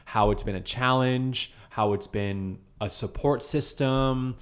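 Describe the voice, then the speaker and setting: A man's voice: mid-range voice, takes it slowly, clear, resonant tone. A man hosting a podcast, talking earnestly and encouragingly about his beliefs. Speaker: podcast host. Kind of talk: casual podcast talk.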